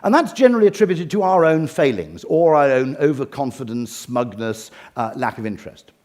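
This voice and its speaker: Wry, lively Englishman giving a talk. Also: medium pitch, brisk. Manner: wry, digressive, self-interrupting asides. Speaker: conference speaker. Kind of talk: humorous live talk. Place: stage before a live audience.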